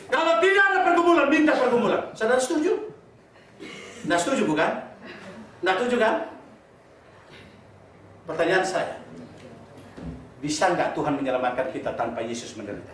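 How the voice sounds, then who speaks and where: A man's voice: a little high, fairly bright tone, slight background noise. A man preaching a sermon as pastor, joking and putting questions to the congregation. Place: church hall. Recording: echoey hall, mic at a distance.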